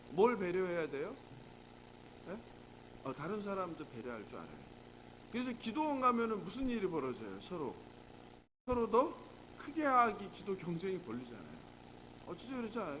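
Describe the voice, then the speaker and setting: Male pastor, high and animated, chatty sermon full of questions to the room, faint noise under it. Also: poor audio. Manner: conversational, asks the congregation rhetorical questions. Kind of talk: early morning prayer sermon.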